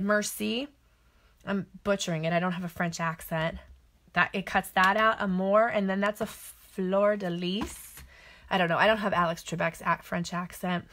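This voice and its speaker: A woman's voice: mid-range voice, fairly bright tone. Woman, middle-aged, papercraft demonstrator, casual catalog walk-through, chatty, gushing. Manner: chatty and gushing, thinks aloud.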